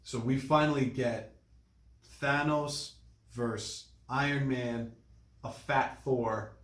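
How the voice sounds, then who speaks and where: A man talks through a film as a casual podcast co-host. His voice sits at a medium pitch, and he retells things step by step with emphasis. The room is audibly echoey. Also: steady tone, slow pace, fairly bright tone. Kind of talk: casual film review chat.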